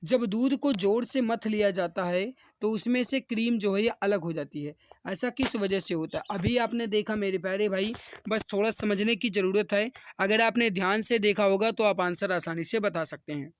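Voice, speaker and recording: High-pitched man teaching an exam class. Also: moderate pace, dry recording, studio quality. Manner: instructional, often addressing listeners directly. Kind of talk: exam question walkthrough for students.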